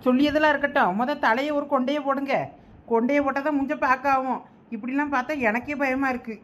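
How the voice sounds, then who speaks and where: A woman's voice: high-pitched, steady tone, quick pace, slight background noise, lightly acted. A woman playing a curious, concerned neighbor who asks what is going on. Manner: curious questioning.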